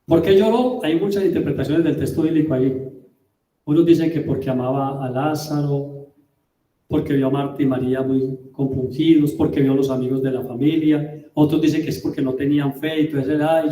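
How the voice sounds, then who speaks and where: A man preaching a sermon as a pastor, emphatic, with rhetorical questions and drawn-out words. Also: fairly high pitch, steady tone, mellow, slight background noise. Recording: roomy, distant mic.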